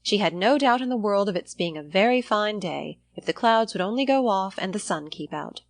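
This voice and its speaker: A woman's voice: mid-range voice, animated, fairly quick, no echo, studio quality. A woman reading a classic novel as an audiobook narrator, in scripted storytelling style.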